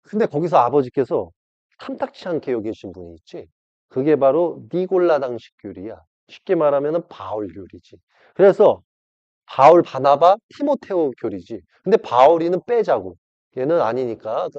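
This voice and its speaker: A man's voice: medium pitch, very animated, moderate pace, darkish tone, no room sound. A man preaching an informal sermon, acting out dialogues and addressing the audience directly. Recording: dull lo-fi dry recording.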